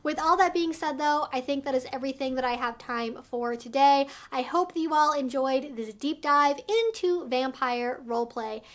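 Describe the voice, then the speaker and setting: A woman's voice: sits high, normal speed, few pauses, a bit bright. A woman hosting an explainer vlog, speaking straight to viewers with careful, emphatic phrasing. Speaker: video host and educator.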